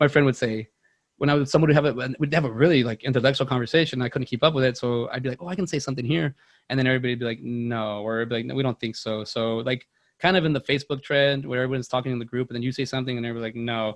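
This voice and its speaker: This man, with an American accent, talks at a very fast pace in a medium pitch with ordinary pitch variation. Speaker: podcast host. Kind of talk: casual chat. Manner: halting.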